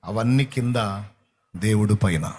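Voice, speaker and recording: A man's voice: fairly low pitch, a little slow, warm tone, a little hiss or hum. A middle-aged man preaching a sermon in a fervent, repetitive cadence. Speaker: pastor.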